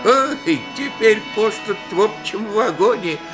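A man's voice: high voice, animated, music in the background. An actor playing a humble, devout old village father in a radio drama, speaking hesitantly with folksy speech. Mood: humble, meandering. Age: older. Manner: hesitant, folksy rustic speech with halting fillers. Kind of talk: naturalistic stage-style radio drama acting.

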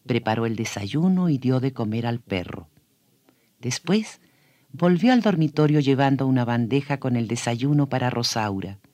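A man's voice: mid-range voice, expressive, moderate pace, dark tone, no echo. A man telling a story on a children's radio show, speaking expressively and addressing young listeners directly.

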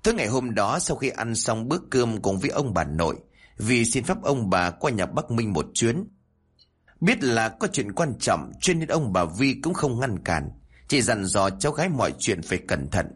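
A man narrating a spooky audio story with a lively, dramatic telling. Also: fairly low pitch, moderate pace, husky.

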